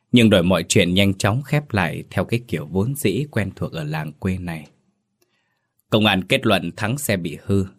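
Deep-voiced man narrating a mournful tale. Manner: solemn, mournful storytelling. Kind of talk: scripted narration of a tragic ghost story.

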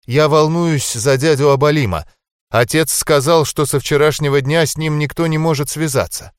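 A man voicing a young angelic wife, devoted and anxious, in an audiobook, speaking in a softly raised, earnest voice. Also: a little high, fairly even intonation, normal speed, clear, resonant tone, no room sound, studio quality, pitched above the performer's own voice, lightly acted.

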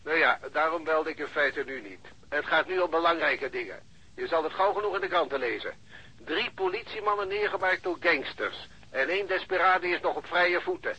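A man playing a pompous, impatient police chief in a radio drama, formal and officious, with a raspy voice over a telephone. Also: fairly high pitch, brisk, sharp tone. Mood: brusque, self-important. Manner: self-important, formal, officious. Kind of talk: Dutch radio drama acting. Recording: muffled band-limited phone line.

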